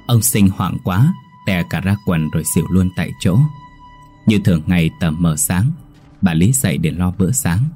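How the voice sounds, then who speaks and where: A man narrating a scripted ghost story in a slow, ominous storytelling manner. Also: deep voice, dark tone. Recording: faint background music.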